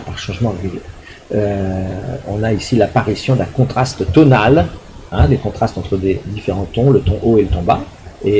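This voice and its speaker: A man's voice: fairly low pitch, warm tone, a little hiss or hum, rough recording. A middle-aged man, a university lecturer, explaining a recorded lecture with frequent fillers, restarts and tag questions to check understanding. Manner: hesitant, many fillers and restarts.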